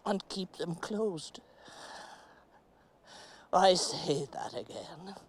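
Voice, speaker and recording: An actress playing a chattering, stoic middle-aged woman buried in the earth, speaking a slow, halting stage monologue. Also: fairly low pitch, slight background noise. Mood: wistful musing. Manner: slow, deliberate, halting delivery with long pauses. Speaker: actress in a filmed stage play.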